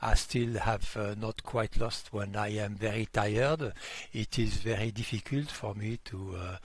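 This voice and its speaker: Slow, husky older Frenchman. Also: lowish voice, steady tone, dry recording. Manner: hesitant, pausing on many fillers. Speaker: guest. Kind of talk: conversational interview storytelling.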